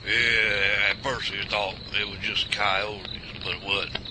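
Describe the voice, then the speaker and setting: An actor playing a gruff, bossy old Southern man, a hard-of-hearing veteran, with a folksy rural Southern US drawl in a radio drama. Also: on the low side, flat delivery, takes it slowly, noisy background. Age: older. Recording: loud night crickets behind.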